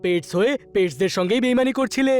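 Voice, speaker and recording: A performer playing an earnest, fair-minded cartoon pet who gently moralises with reproach. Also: mid-range voice, fast talker, close to an everyday voice. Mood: reproachful. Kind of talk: animated cartoon voice acting in Bengali.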